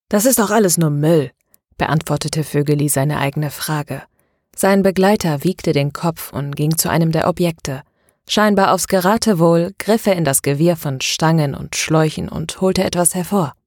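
A woman narrating a novel in a steady, measured reading. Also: low-pitched, dry recording, studio quality. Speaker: audiobook narrator. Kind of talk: scripted narration.

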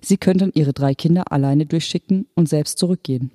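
A reader voicing an unfeeling hologram official who speaks in a calm, matter-of-fact, bureaucratic manner. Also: mid-range voice, a little fast, no room sound, studio quality, natural voice. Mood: detached. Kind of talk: audiobook character voice.

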